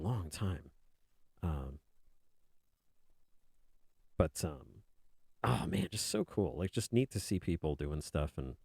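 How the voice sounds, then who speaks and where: A low-voiced man talking casually while he draws on a live stream. His voice is soothing and soft-spoken, and he rambles with lots of little fillers. His pitch rises and falls freely, and the sound is close and dry. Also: dry recording. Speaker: artist streamer.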